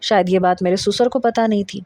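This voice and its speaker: A woman narrating a first-person romance story in a measured, emotional way, close to the mic. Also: medium pitch, fairly even intonation, mellow, no room sound.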